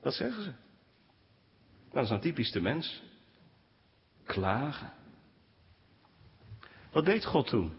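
A man preaching a sermon to his congregation, speaking with animated swings in pitch. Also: slow, gravelly, pauses often. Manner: animated preaching, rising pitch when quoting complaints. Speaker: pastor. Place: church. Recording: dull sound with long church reverb.

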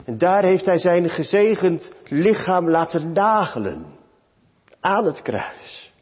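A man's voice: sits high, sing-song, takes it slowly, slightly rough. A male pastor preaching a sermon to his congregation in short, emphatic phrases. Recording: long reverb, dull lo-fi sound.

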